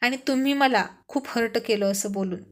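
A woman playing a young, devoted wife with a spirited, teasing streak. She speaks in earnest, emotional storybook dialogue. Her voice is slightly high. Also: moderate pace, lightly acted.

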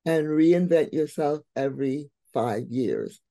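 Mellow-voiced woman telling her story. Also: low-pitched, lively intonation, slow pace, creaky, no echo, clean studio sound. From Barbados. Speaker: guest. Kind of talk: interview storytelling. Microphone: video call.

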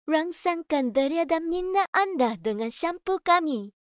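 A woman reading scripted voice-over in a measured, clearly enunciated way. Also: very high voice, expressive, slight background noise. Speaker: voice-over artist. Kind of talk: scripted voice-over demo: adverts, narration, announcements.

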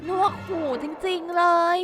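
A woman's voice: very high voice, fairly even intonation, slow pace. A woman giving playful game commentary, theatrically scolding characters and talking to her viewers. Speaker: gaming YouTuber. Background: background music.

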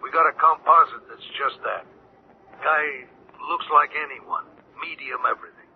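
An actor playing a blunt, impatient police sergeant in a radio drama, with a wry manner. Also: male voice, fairly high pitch, moderate pace, natural voice. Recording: tinny, noisy old radio broadcast.

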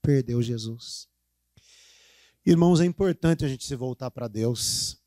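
Middle-aged Brazilian male pastor, dramatic sermon delivery, mellow tone, dry close sound. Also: medium pitch, measured pace, dry recording. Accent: Brazilian Portuguese. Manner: dramatic, swinging from loud cries to hushed pleading. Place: church.

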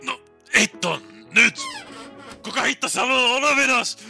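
A man's voice: very high-pitched, creaky, pushed and bright, faint music behind, exaggerated voice. A man voicing a flustered, short-tempered, clueless restaurant chef who stammers and bickers in a comedy cartoon fan dub. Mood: exasperated, angry. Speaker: amateur fan dub voice actor.

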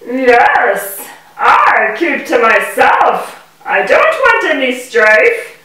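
A woman's voice: high voice, huge pitch swings, extremely slow, sharp tone, slight background noise, exaggerated voice. A woman voicing a small, sensible talking bee in a children's puppet show, explaining things with exaggerated emphasis. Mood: earnest. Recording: echoey hall, far from the mic.

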